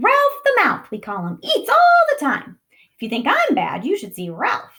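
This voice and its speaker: This woman uses a put-on character voice with a high pitch. She speaks at a moderate pace. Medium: read story. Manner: theatrical, joking.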